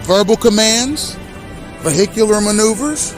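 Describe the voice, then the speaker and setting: A man in his thirties with a notably high voice speaks directly to his audience in an impassioned monologue. His tone is accusatory and emphatic, and he slows down to lean hard on key words. Soft music plays faintly in the background. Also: lively intonation. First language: English. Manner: accusatory, emphatic, slow deliberate stresses. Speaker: host.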